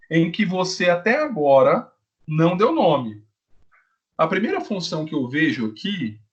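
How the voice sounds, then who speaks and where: Male teacher, lively pitch, slightly high voice, repetitive classroom delivery. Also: dull audio. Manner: lively, repetitive teacher talk, often checks in with "tá?"; slows down to stress key rules. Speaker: chemistry teacher. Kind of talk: live online class.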